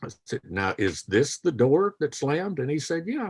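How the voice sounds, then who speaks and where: A fairly high-pitched man talks with a Mississippi accent. His pitch swings very widely. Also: dry, close sound with no echo. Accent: Mississippi Southern US. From Mississippi, Greenville. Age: 70s. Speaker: TV weather anchor and feature reporter. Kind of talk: interview, casual storytelling. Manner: animated.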